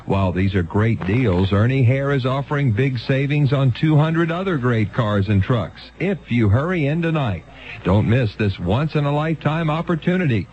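A man reading a 1970s local radio commercial as an urgent sales pitch. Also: a little mellow. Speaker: commercial announcer. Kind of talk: 1970s radio car-dealer ad read. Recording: dull vintage radio broadcast, faint music.

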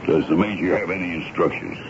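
An actor playing a gruff, folksy army sergeant in a 1970s radio drama, speaking ungrammatically and respectfully to his superior. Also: sits low, quick pace. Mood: suspicious. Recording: dull, noisy old radio broadcast recording.

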